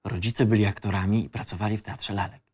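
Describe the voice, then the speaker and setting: A man's voice: on the low side, steady tone, fast, darkish tone, husky. An actor playing a reflective man of twenty-five who recalls his childhood in an audio drama.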